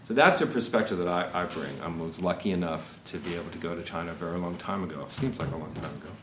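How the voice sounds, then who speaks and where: A man's voice: low-pitched, quick pace. A man in his fifties speaking at an informal seminar, rambling and peppering his talk with "you know" and "right". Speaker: guest speaker on investment. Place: seminar room. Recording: echoey room with faint noise.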